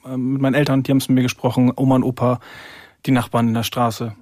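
A man with a northern German accent who narrates a radio drama, talking in a relaxed, unhurried way as a studio guest. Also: medium pitch, no echo. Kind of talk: casual interview answers.

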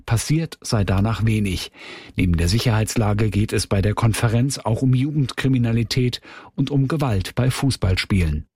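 A male news correspondent with a husky, slightly raspy voice, reading in a measured, formal way. The sound is dry and close to the mic. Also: on the low side, a little mellow, no room sound. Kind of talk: radio news report.

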